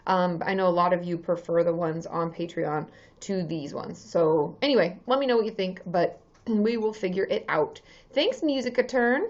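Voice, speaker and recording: A woman in her thirties with a slightly hoarse voice, a therapist chatting casually on a live stream, greeting viewers by name with many ums. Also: on the low side, moderate pace, highs cut off.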